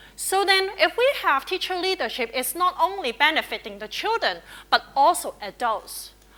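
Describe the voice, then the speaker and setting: A woman speaks in a raised, projected voice. Her pitch is extremely high. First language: not English. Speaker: university lecturer giving keynote. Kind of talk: conference keynote speech. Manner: conversational, interactive.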